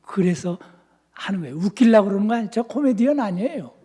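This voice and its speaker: A man from Seoul preaching a sermon as pastor, moving between fervent shouting and hushed, soft-spoken asides. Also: high-pitched, expressive, quick pace, slightly rough. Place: church sanctuary. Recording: long reverb in a church sanctuary.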